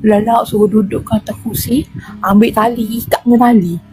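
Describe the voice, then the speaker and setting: A woman with a Terengganu Malay accent, a guest telling a true horror experience in casual, animated style and acting out sounds and quoted voices. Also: mid-range voice, fairly quick, faint music behind. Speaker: guest recounting a spirit healing.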